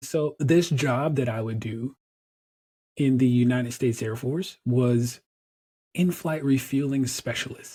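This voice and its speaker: A man with an American accent speaks at a fairly slow pace, leaving long, frequent pauses. His medium-pitched voice is somewhat breathy, with a dark, mellow tone and fairly even intonation. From US South, Durham, North Carolina. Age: 30s. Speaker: motivational speaker, blind Air Force veteran. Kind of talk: podcast interview.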